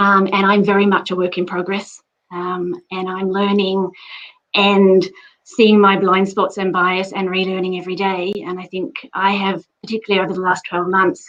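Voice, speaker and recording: With an Australian accent, a woman talks at a moderate pace and medium pitch, her intonation monotone and flat. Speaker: diversity and inclusion executive. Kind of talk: panel discussion.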